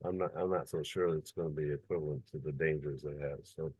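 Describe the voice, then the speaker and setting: Halting low-voiced man, stammering. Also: steady tone, darkish tone, breathy edge, no echo. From Illinois, US. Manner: halting, many stammered restarts and "uh"s. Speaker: workshop participant, precinct committeeman. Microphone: video call.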